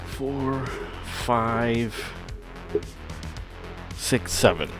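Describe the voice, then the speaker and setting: Man, casual game player chat, medium pitch, music in background. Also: extremely slow.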